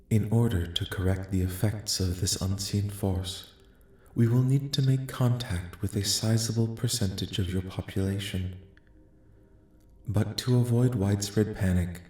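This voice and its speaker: A man playing a calm, benevolent alien envoy in a soft-spoken ASMR roleplay, speaking formally and solemnly in a measured, soothing way. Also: fairly low pitch, close to an everyday voice. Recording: echoing, reverberant voice track.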